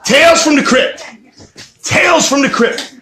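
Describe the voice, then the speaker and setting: A man doing a loud, boisterous comedic sales pitch as a mock shopping channel host. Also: a little slow. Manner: loud, boisterous, hyped, shouting. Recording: echoey room with loud background noise.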